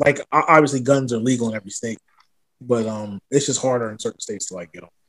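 In a normal speaking voice with an American accent, a man talks with ordinary pitch variation over dry, close sound with no echo. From Gaithersburg, Maryland. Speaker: podcast co-host. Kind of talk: casual chat.

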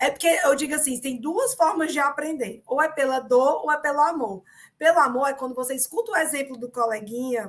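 At a fairly quick pace, a woman speaks in an animated tone with a high pitch and ordinary pitch variation. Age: 30s. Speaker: beauty content creator. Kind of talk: casual chat.

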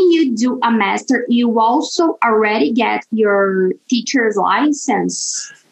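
Very slow speech with a Brazilian accent, lively intonation, very even loudness and hardly any pauses. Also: woman. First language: Portuguese. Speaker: online course creator, ABA educator. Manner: halting.

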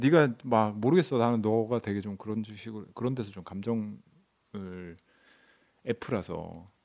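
With big swings in loudness and ordinary pitch variation, a man speaks very slowly at a fairly low pitch. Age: 40s. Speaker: YouTuber and company boss. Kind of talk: casual chat.

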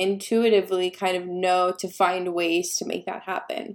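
A woman talks at a fairly slow pace. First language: Amharic. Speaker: podcast host and home chef, wellness coach. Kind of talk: solo podcast monologue.

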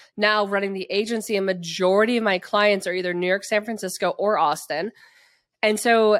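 In a very clean recording with a silent background, a woman with a Wisconsin accent speaks at a medium pitch with ordinary pitch variation. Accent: Wisconsin Midwestern. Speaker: marketer and podcast host. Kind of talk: casual chat.

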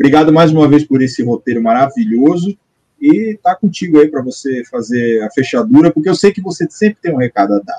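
Heard in a dry, close sound with no echo, a man with a dark, mellow tone and fairly high pitch speaks at a fairly quick pace, using very wide pitch swings. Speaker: podcast host. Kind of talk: casual chat.

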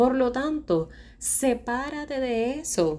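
A woman speaks with very wide pitch swings. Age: 20s. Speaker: podcast host and life coach. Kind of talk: reflective solo podcast monologue.

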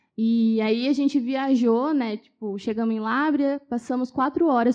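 A woman with a high pitch keeps her intonation fairly even as she speaks. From Brazil, Lençóis (São Paulo interior). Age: 20s. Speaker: psychology student. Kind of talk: casual interview.

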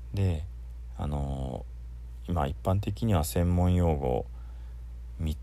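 Speech comes at a very slow pace with ordinary pitch variation, audible room echo and noticeable background noise. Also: man. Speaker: Buddhist priest. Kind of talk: lecture.

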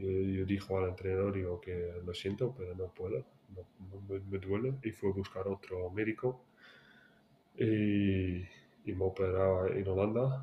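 The speaker sounds somewhat breathy and talks at a fairly slow pace. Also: man, fairly low pitch for a man. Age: 30s. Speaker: retired basketball player. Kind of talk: casual interview. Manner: halting.

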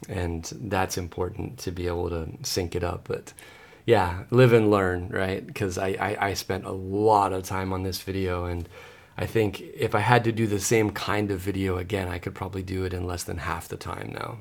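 Speaking at a moderate pace, a man with a very deep, low pitch talks in an American accent. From United States. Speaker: musician. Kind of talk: casual chat.

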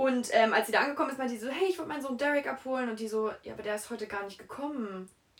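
Noticeable background noise sits behind a woman's voice. Her pitch is high, with ordinary pitch variation. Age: young. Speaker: podcast co-host. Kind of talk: casual chat; storytelling.

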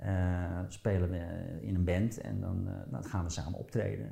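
With vocal fry and a dark, mellow tone, a man speaks at a moderate pace. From Netherlands, Zaandam. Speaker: artist. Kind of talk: interview. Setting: studio. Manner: halting, many repeats.

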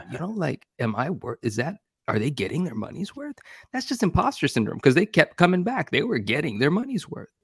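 A man with an American accent talks at a fairly quick pace and fairly high pitch. His voice has vocal fry and very wide pitch swings. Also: dry, close sound with no echo. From US West Coast, San Francisco Bay Area. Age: 30s. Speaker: podcast co-host and YouTube show panelist. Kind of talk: casual chat.

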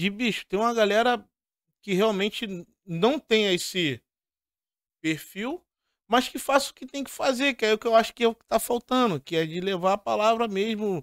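Recorded very cleanly against a silent background, dry and close with no echo, a man speaks at a high pitch and moderate pace, with ordinary pitch variation and big swings in loudness. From Rio de Janeiro favela. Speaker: drummer and gospel musician. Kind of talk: casual chat.

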